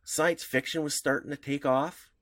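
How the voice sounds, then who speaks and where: A man's voice: fairly even intonation, moderate pace, a bit bright, no echo. A man co-hosting a podcast, talking casually and rambling with frequent chuckles. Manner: rambling, chuckling, pitch jumping around. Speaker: podcast co-host. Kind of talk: casual chat.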